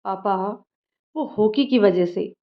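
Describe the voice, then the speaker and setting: A woman voicing a lively, outspoken young college girl, on slightly dull audio. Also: medium pitch, takes it slowly. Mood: frank.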